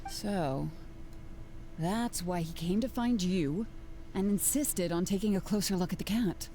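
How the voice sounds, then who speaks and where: A woman's voice: fairly low pitch, measured pace, dark tone, a little hiss or hum, natural voice. A woman voicing a firm, no-nonsense investigator who gives orders and presses a suspect. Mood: determined. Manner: firm, commanding. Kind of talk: game voice acting.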